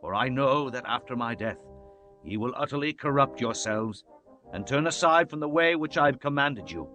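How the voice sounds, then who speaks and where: A man's voice: medium pitch, expressive, moderate pace, bright, forceful tone, soft background music. A man playing an aged, stern and fervent prophet, declaiming solemnly in a dramatized scripture recitation. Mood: stern reproach.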